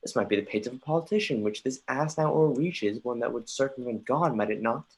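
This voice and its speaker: A woman's voice: rumbling low, fairly quick, slightly rough, full character voice. A woman playing a brooding, witty young prince, musing in sardonic questions in a Shakespeare reading.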